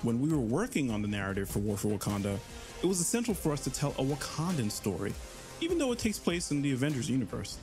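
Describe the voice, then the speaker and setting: A man's voice: mid-range voice, sing-song, fast talker. Man as presenting writer: scripted promotional delivery, middle-range voice, music underneath. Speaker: writer presenting his work. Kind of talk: prepared promotional talk. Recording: music behind the voice.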